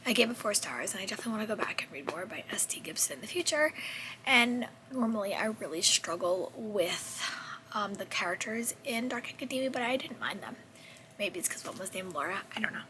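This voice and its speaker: Woman, 30s, book vlogger, voice nearly gone, breathy and hoarse, bright tone, faint noise behind. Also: medium pitch, expressive, brisk, poor audio. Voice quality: breathy, half-whispered. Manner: chatty, rambling with self-corrections. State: hoarse, losing her voice. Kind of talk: casual book wrap-up chat.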